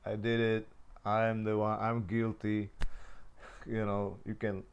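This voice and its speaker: A young man whose first language is Czech, telling a long personal travel story in casual, halting speech full of fillers and restarts. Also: on the low side, monotone, clear, resonant tone. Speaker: vlogger.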